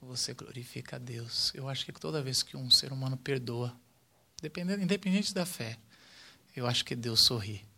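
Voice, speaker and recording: A young man from Brazil preaching a sermon with animated swings between loud, excited stretches and quiet, hushed ones. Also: mid-range voice, moderate pace. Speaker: pastor.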